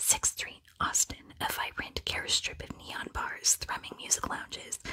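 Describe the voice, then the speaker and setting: A whisper with noticeable noise behind it, at a moderate pace. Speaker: ASMR content creator and book reader. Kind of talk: reading a novel chapter aloud. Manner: whispered, soft.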